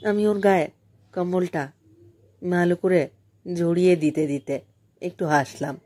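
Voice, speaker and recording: Measured woman storyteller reading a literary audiobook, low and unhurried. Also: mellow. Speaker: audiobook narrator. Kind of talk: literary storytelling, first-person narration.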